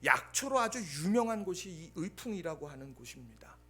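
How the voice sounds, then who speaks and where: A male pastor preaching a Sunday sermon, telling stories with acted-out dialogue and swings between loud bursts and hushed asides. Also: high voice, fairly quick, faint music behind. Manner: animated storytelling, acting out quoted dialogue.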